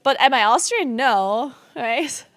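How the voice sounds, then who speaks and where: A woman with a high voice and a South Tyrolean accent, speaking English as a second language. She chats casually as a game streamer, in a giggly manner. The sound is dry, with very little room echo. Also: expressive, slow, fairly bright tone. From South Tyrol, Italy. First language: not English. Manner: giggly, laughs often while talking. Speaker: game streamer and esports caster. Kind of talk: casual livestream chat.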